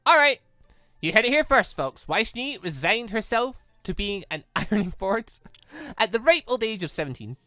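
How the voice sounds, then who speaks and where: Let's player for visual novel commentary: highly animated, bright, excitable and reactive. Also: normal speed, dry recording, clean studio sound, faint music behind. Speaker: video game let's player. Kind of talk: gaming commentary with read-aloud dialogue.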